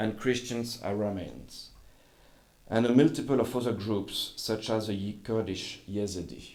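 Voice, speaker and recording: With a French accent, a man speaks at a moderate pace and a medium pitch. Room echo is audible in the recording. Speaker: journalist. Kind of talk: conference talk. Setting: conference hall with audience. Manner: halting.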